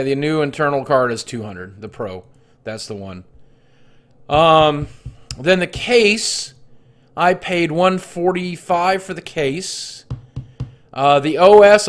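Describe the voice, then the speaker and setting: On a live stream, a man with a voice on the high side chats casually, reading the chat and tallying costs out loud. He pauses often and uses many fillers while chewing cough drops.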